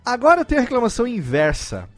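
Um homem apresentando um podcast em conversa descontraída, falando de forma solta, repetindo palavras e rindo com frequência. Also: male voice, extremely high pitch, huge pitch swings, racing, a bit bright, dry recording, soft background music. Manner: rambling, repeats words, laughs often. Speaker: podcast host. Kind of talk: casual podcast chat.

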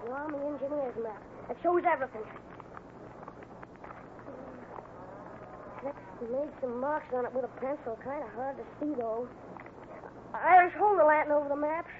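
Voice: sits high, a little fast, lightly acted. A performer playing an earnest, impatient young boy who bosses a ranch, in an old-time radio juvenile Western. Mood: earnest, determined. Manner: eager, earnest. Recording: noisy, tinny vintage radio recording.

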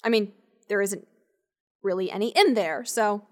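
A woman's voice: medium pitch, measured pace, natural voice. An actress playing a brash, sarcastic young woman scientist in an audio drama, slangy, sweary and defensive. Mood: breezy, defensive. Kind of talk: audio drama acting, naturalistic banter.

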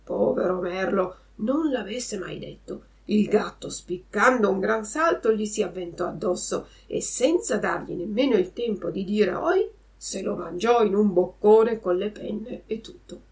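A woman narrating a classic children's story aloud with expressive storytelling. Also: medium pitch, measured pace, few pauses.

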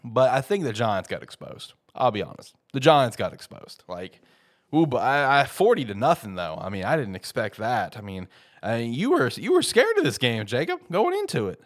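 A man with a head cold sounds congested as he hosts a casual sports talk podcast, rambling through fillers and restarts before bursting into emphatic peaks. His medium-pitched voice has a sing-song lilt at a moderate pace.

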